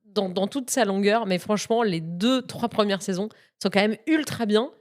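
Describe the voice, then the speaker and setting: A woman's voice: medium pitch, normal speed. A young woman hosting a casual film podcast, bubbly and chatty, laughing often as she talks. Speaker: podcast host.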